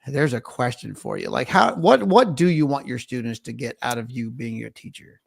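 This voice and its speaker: A raspy man over fifty hosting an interview in a casual, rambling way full of fillers. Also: mid-range voice, expressive, normal speed. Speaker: podcast host, choir teacher.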